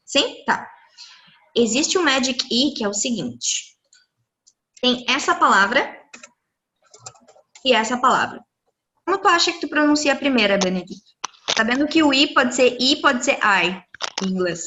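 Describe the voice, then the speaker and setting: A woman, an English teacher explaining pronunciation rules to students in a live online class over a computer mic, lively and encouraging. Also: high-pitched, moderate pace, long pauses. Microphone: computer mic on a video call.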